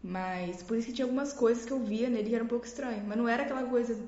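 A woman's voice: a little high, rapid-fire, mellow. A young woman with a Brazilian Portuguese accent, co-hosting a podcast and chatting through a personal anecdote. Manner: chatty, telling anecdotes with fillers. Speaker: podcast co-host. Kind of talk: casual podcast chat. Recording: dull, roomy lo-fi recording.

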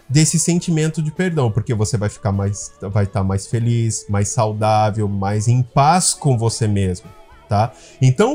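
A man with a mellow, warm voice talks straight to his listeners like a coach on his own podcast. He slows right down on the words that matter and tags "tá?" onto his points. Soft guitar music plays faintly behind him. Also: mid-range voice. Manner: earnest, coaching tone, slows down to stress key words, often adds "tá?" to check in. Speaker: podcast host. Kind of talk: advice podcast monologue.

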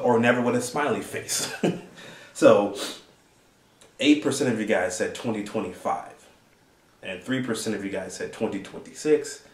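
A young man in his twenties talks through a casual solo commentary, rambling and laughing between points in a lowish voice. He sits a bit back from the mic, and the room around him rings with echo. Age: 20s. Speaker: host. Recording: roomy, distant from the mic.

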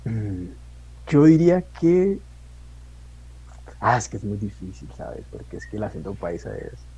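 A man with a Bogotá Colombian accent, a podcast guest chatting in a relaxed, agreeable way. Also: on the low side, a little slow, creaky, highs cut off, slight background noise. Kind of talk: casual chat.

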